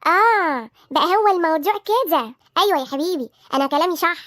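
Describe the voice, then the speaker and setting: A bossy, sharp-tongued Egyptian grandmother in a cartoon, scolding and fiercely protective. The voice is very high and quick, and the recording is bone-dry. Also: no echo. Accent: Egyptian Arabic.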